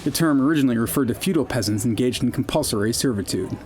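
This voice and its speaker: A man playing an earnest, pedantic, deadpan news anchor in an audio drama, with a stiff, deliberate delivery. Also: mid-range voice, faint music behind, natural voice.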